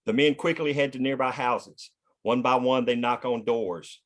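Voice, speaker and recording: A man's voice: mid-range voice, normal speed. A man reading scene headings and stage directions aloud as scripted narration at a table read.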